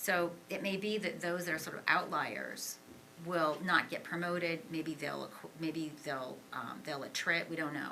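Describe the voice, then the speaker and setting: A woman with an American accent speaks at a moderate pace, her pitch fairly low for a woman. Noticeable background noise and audible room echo are present. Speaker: political scientist and author. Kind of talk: Q&A at a panel event. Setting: auditorium with audience.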